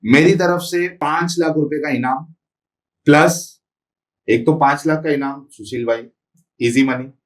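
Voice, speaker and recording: A man's voice: fairly high pitch, unhurried, long pauses, recorded from a distance. A man speaking as the guest on an interview podcast, emphatic and listing his points one by one.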